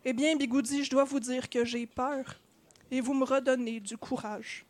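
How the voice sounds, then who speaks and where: A woman with a Québécois accent voicing a gentle, wise old male wizard speaking softly and earnestly. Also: sits high, steady tone, normal speed, natural voice. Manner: soft, earnest, heartfelt.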